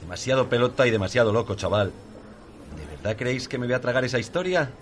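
A man's voice: medium pitch, sing-song, fast, a little hiss or hum, close to an everyday voice. A man playing an irritable, haughty nineteenth-century composer in an audio drama, scornful in manner. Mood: indignant. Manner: indignant, scornful. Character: irritable male 19th-century opera composer, haughty philanderer.

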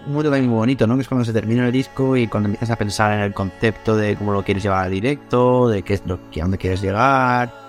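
A man's voice: lowish voice, steady tone, quick pace, soft background music. A man from Spain, a musician, speaking reflectively in an interview and often repeating words as he searches for them. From Albacete, Spain. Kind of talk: interview answers.

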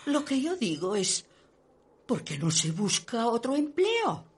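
Haughty, gossipy society lady with a husky voice. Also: fairly high pitch, big pitch swings, measured pace, full character voice. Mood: scornful gossip. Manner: haughty, emphatic, theatrical. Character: snobbish, gossipy society lady visiting her friend. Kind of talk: Spanish radio play acting.

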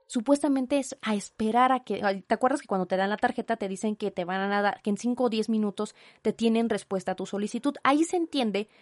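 A young Mexican woman with a Mexican accent telling an indignant, animated story with asides in a storytime vlog. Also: on the high side, a little fast, few pauses, no echo, studio quality. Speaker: vlogger.

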